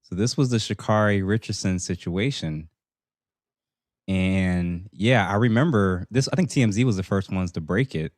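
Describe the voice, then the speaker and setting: A man's voice: sits low, normal speed, no room sound, clean studio sound. A man hosting a casual podcast panel discussion, thinking aloud with fillers and restarts. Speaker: podcast host.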